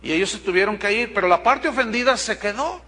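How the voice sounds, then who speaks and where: Man, Mexican accent, pastor, storytelling sermon, direct and animated, high-pitched, bright tone. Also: fast.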